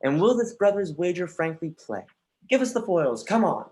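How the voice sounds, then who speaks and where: An earnest, brooding young prince played by an actor in a dramatic reading, speaking Shakespearean verse at a middle pitch. There is a playful defiance under the courtly words, heard over a livestream. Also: big pitch swings, moderate pace, darkish tone, lightly acted. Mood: courteous, wry. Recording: livestreamed remote call.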